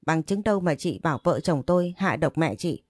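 A woman's voice: low voice, expressive, fairly quick, breathy edge, dry recording, clean studio sound. A woman voicing a hot-tempered young husband who scolds and threatens to defend his wife, in a storybook reading. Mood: angry.

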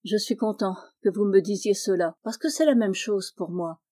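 A woman's voice: medium pitch, moderate pace, warm tone, lightly acted. A woman voicing a kind, honest young man in a storybook reading, polite and earnest.

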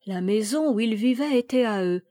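A woman reads a classic children's story aloud with measured, expressive phrasing. Her voice sits a little high, and the recording is close and dry with no room sound. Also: dry recording. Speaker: reader. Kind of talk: storybook reading.

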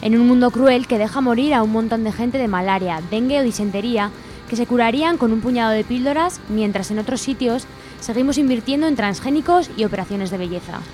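A woman's voice: fairly high pitch, brisk, darkish tone. A woman with an accent from Spain reading an indignant, scripted editorial as a radio presenter. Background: music under the voice.

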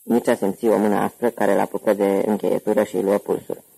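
Low, gravelly male audiobook narrator. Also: flat delivery, mellow, poor audio. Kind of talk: scripted narration.

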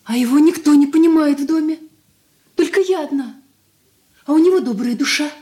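Naive young sister, played by a woman, high, soft tone, earnest radio drama. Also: a little fast, lightly acted. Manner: eager, breathless girlish delivery. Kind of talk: 1980s studio radio drama acting.

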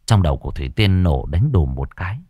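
Expressive male ghost-story narrator. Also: sits low, fast talker, breathy edge, no room sound, phone-quality sound.

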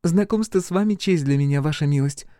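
A man's voice: on the high side, fairly quick, dry recording, clean studio sound, voice pushed up, lightly acted. A man doing a shy young commoner girl. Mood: polite. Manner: respectful, soft, humble.

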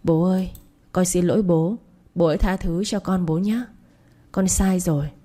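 Casting: woman reading a remorseful young man, curt and reproachful, low warm voice, storybook read. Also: fairly even intonation, moderate pace, natural voice.

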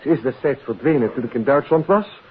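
A man's voice: medium pitch, expressive, brisk, a little hiss or hum, lightly acted. A man acting an uneasy, defensive young man in a 1950s radio drama, explaining himself politely and anxiously. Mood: worried. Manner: polite, anxious, self-justifying. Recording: muffled phone-like 1950s radio recording.

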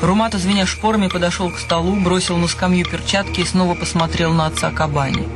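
A man's voice: high voice, fairly even intonation, quick pace. A man delivering dramatic, scripted narration as the storyteller of a radio play. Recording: music behind the voice.

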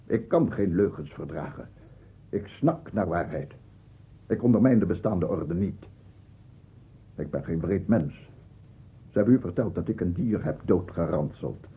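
Deep, husky, obsessive old scientist. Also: male voice, expressive, measured pace, pauses often, exaggerated voice. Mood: agitated, aggrieved. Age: 60s. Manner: pedantic, insistent, repeats himself. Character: aggrieved, unstable 67-year-old bachelor scientist, self-justifying and obsessive. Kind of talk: radio play monologue. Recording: muffled, phone-like old radio recording.

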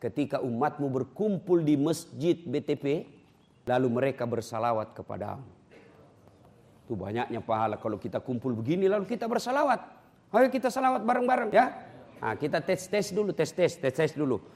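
Joking preacher. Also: male voice, on the high side, moderate pace. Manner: joking, lively, teasing the audience. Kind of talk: humorous sermon to a congregation. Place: mosque gathering.

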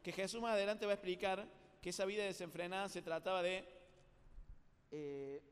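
A man's voice: sits high, fairly even intonation, moderate pace, clear, resonant tone. A man with an Argentine accent from Córdoba, preaching a conversational sermon to a live audience and acting out little everyday scenes. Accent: Argentine Spanish, Córdoba. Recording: long reverb of a hall.

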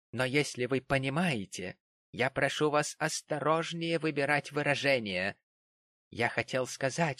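A man's voice: mid-range voice, pushed and bright, no room sound, pitched above the performer's own voice. A man voicing an earnest young man who speaks firmly and with restraint, in an audiobook reading. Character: earnest young man defending his sister.

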